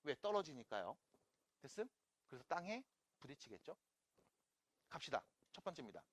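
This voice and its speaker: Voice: mid-range voice, big pitch swings, moderate pace, no room sound. A math lecturer teaching an online class, explaining step by step, often checking in with rhetorical questions and dropping playful asides.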